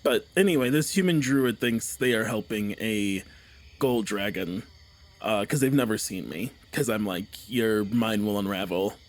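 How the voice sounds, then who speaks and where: A man's voice: lowish voice, measured pace, close to an everyday voice. A man voicing a scheming black dragon hidden in a swamp ruin, in an offhand, matter-of-fact way.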